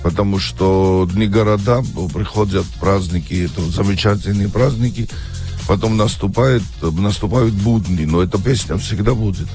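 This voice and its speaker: Man, low voice, radio guest, heartfelt, stumbling, studio, faint music behind. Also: moderate pace, darkish tone. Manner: earnest, heartfelt, stumbling over words. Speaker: guest singer.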